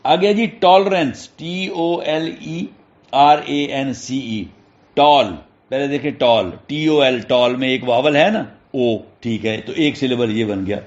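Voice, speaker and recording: A man teaching a class, spelling words out slowly letter by letter and checking in with short questions. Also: medium pitch, highs cut off. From Pakistan. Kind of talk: classroom lesson explaining English syllables.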